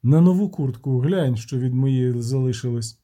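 A man's voice: medium pitch, moderate pace, warm tone, close to an everyday voice. A man voicing a dry, laconic male witcher.

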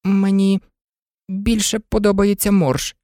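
A woman's voice: medium pitch, flat delivery, takes it slowly, mellow, no echo, clean studio sound, pitched above the performer's own voice, natural voice. Sensible little girl, voiced by a woman. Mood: earnest. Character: sensible polite young girl.

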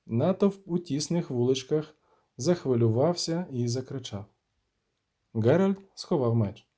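A man narrating a fantasy audiobook in a measured, steady storytelling manner. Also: medium pitch.

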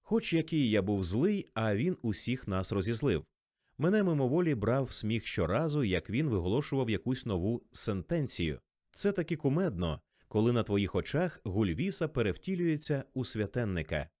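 A man narrating a novel as an audiobook, expressive and measured. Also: mid-range voice, dry recording, clean studio sound. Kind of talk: scripted literary narration.

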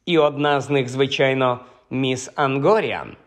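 A man voicing a stern, sharp-tongued young woman. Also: medium pitch, measured pace, natural voice. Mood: insistent. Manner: pointed, insistent questioning. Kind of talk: audiobook character voice.

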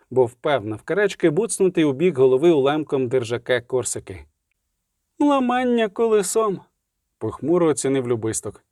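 A man reading an audiobook aloud in brisk, vivid action narration. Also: medium pitch, a little mellow, dry recording, studio quality. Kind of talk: scripted narration.

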